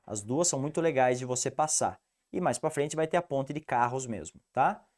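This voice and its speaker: A male English teacher with a Piracicaba accent, giving an animated, didactic video lesson and repeating the rules for the student. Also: medium pitch, normal speed. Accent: Piracicaba interior São Paulo, rolled R.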